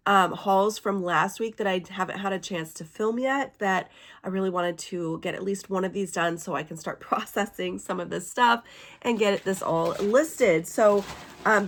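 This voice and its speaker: A woman in her thirties with a hoarse, raspy voice, chatting casually as a vlogger showing a thrift haul. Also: mid-range voice, moderate pace. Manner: chatty, with fillers and small laughs. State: hoarse from illness. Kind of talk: casual chat.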